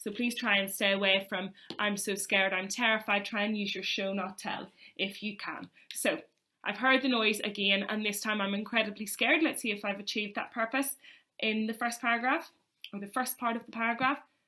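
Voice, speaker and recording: A woman talks at a fairly quick pace in a fairly high pitch, her tone bright and sharp and her intonation fairly even. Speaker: primary school teacher. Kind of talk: online lesson. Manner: halting.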